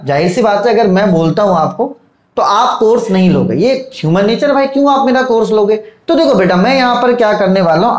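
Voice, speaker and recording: A man who is an online tutor, casually introducing a course in a reassuring way and often repeating his points. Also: high voice. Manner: reassuring, repeats points, calls students "beta". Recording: roomy echo.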